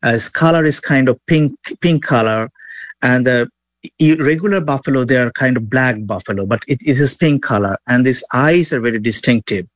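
Hesitant Bangladeshi journalist on a dull line. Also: male voice, medium pitch, moderate pace, no room sound. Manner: hesitant with frequent uh fillers and restarts. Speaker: journalist joining live. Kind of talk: live remote news interview.

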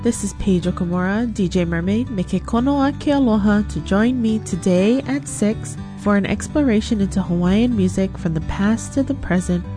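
A woman radio DJ reading an inviting promo for her show. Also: medium pitch. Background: guitar music.

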